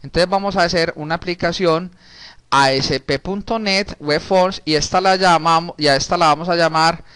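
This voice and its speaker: A man, teaching a programming class in a relaxed way while working on screen. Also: on the high side, normal speed, smooth, no echo. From Colombia. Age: 30s. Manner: casual, talks while typing, frequent restarts and diminutives. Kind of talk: recorded screen-share coding lesson.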